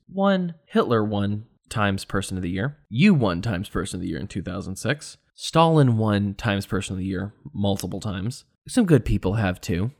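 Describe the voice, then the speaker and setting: A young man hosting a solo commentary podcast, talking in a sarcastic, emphatic, ranting way. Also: lowish voice. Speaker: podcast host.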